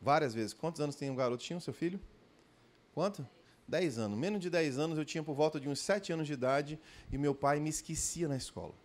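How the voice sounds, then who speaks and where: A man's voice: on the high side, fairly quick. A man preaching a sermon at a church conference, telling stories animatedly and calling out to the congregation with frequent tag questions. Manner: addresses the congregation directly.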